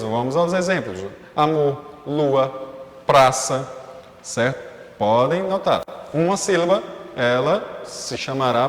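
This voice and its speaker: A male teacher giving a recorded class, explaining step by step and often checking in with his students. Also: mid-range voice. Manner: explanatory, frequent checking fillers. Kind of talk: recorded online class lesson. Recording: echoey room with long reverb.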